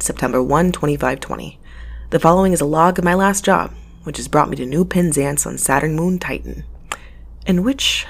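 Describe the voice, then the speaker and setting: A woman's voice: sits low, gravelly, exaggerated voice. A woman playing a casual, wry young space courier who rambles informally in an audio drama. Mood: reluctant, wry. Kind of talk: naturalistic audio drama acting, logging aloud.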